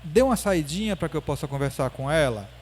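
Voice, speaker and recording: A man voicing a gentle, patient woman psychiatrist talking with a child, within a spoken lecture. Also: on the high side, animated, fast, breathy edge. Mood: coaxing.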